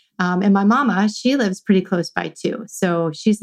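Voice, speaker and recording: Here a woman speaks in an unremarkable speaking voice. Her pitch sits at a medium level. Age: 50s. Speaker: program member sharing weight-loss story. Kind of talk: interview testimony.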